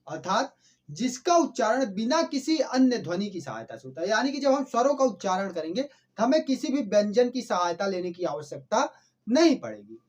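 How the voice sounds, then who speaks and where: A man teaching a grammar lesson, who asks the class questions, answers them himself and repeats sounds slowly for them. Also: high voice, sing-song. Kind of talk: classroom lecture.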